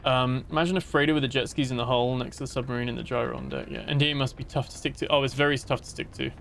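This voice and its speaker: A man's voice: medium pitch, steady tone, rapid-fire, creaky, fairly bright tone, slight background noise. A man chatting casually while livestreaming a game, rambling with many fillers and restarts as he talks to his viewers. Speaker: gaming livestreamer. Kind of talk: casual live gameplay chat.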